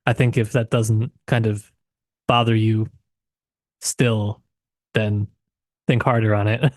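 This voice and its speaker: A man co-hosting a podcast, talking through literature casually in a reflective, halting way. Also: on the low side, little pitch movement, no room sound. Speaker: podcast co-host.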